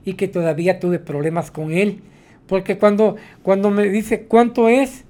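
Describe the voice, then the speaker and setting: A man's voice: high voice, steady tone, normal speed, a little mellow. A man, a taxi driver, telling his stories in a rambling way, tagging his sentences with "¿no?". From Mexico. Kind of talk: storytelling interview.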